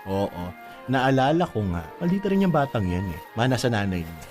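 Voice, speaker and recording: A man's voice: medium pitch, sing-song, normal speed, music in the background, close to an everyday voice. A male actor playing a sassy, effeminate gay older sibling in a Filipino radio drama, scolding and exclaiming. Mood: chatty, teasing.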